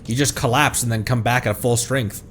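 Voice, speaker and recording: A man doing casual live gameplay commentary, excitable and playful, talking to himself and to the game as he plays. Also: medium pitch, moderate pace, a little hiss or hum. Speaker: streamer playing a video game.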